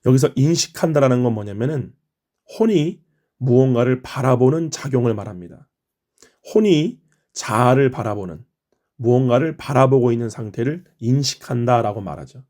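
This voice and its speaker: Soft-spoken male pastor with a mellow voice. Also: mid-range voice, expressive, normal speed. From Chungcheong, Korea. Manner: earnest, explanatory preaching with prayerful phrasing. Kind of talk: morning devotional prayer and sermon.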